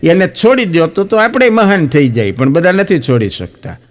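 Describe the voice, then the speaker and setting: A man with a Gujarati accent doing stand-up comedy, his pitch sitting a little high and swinging widely as he tells his jokes. He slips into the voices of the people in his stories as he goes. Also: expressive, normal speed. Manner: storytelling, acts out quoted characters. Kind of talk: stand-up joke telling.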